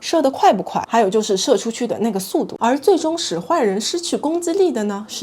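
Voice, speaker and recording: A woman with a fairly high pitch at a fairly quick pace, very wide pitch swings, over noticeable background noise. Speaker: gun educator YouTuber. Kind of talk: educational talk to camera.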